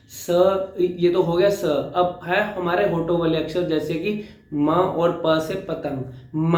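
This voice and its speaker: A man teaching how to pronounce letters as a speech coach, slowly sounding out each one for practice. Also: high-pitched, darkish tone, reverberant. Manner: slow, demonstrative, repeats sounds for practice. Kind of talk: pronunciation lesson.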